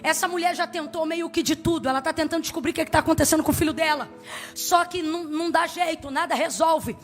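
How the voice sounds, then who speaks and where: Woman preacher, very high voice, emphatic, calls for responses. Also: fast, soft background music. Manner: emphatic, swings from soft to loud; asks the congregation to respond. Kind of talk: sermon.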